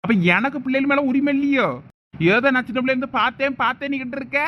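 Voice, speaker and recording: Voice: sits high, steady tone, very fast, muffled recording, slight background noise, natural voice. A performer voicing a stern, angry village father in a cartoon, with a Thoothukudi Tamil accent and a threatening manner. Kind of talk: cartoon voice acting.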